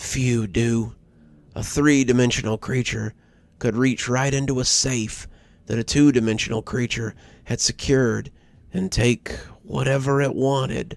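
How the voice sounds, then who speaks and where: A man's put-on character voice, creaky, at a medium pitch and moderate pace with fairly even intonation. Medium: read story. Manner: slow, eerie, musing.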